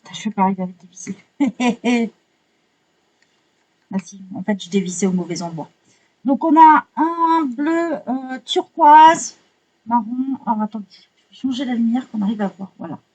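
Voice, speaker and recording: A woman chatting casually while unboxing art supplies, excitable, swearing lightly and apologizing often. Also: a little high, moderate pace, poor audio.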